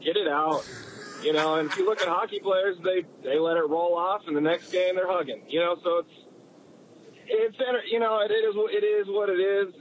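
A man's voice: high voice, steady tone, moderate pace, a little hiss or hum, low-quality recording. A man calling in to a sports show, hesitant and rambling, with many fillers. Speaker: caller. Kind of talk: phone-in opinion.

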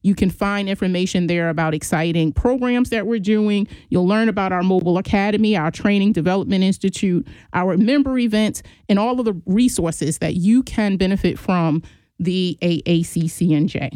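A woman's voice: medium pitch, normal speed, warm tone, dry recording. A woman hosting a radio program, reading event announcements in an upbeat promotional way and welcoming a guest. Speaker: radio show host for a business chamber. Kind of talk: reading announcements, then interviewing.

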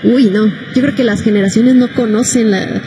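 A woman's voice: fairly high pitch, fairly even intonation, moderate pace, background noise. A woman doing live soccer commentary mixed with casual chat. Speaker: sports play-by-play commentator.

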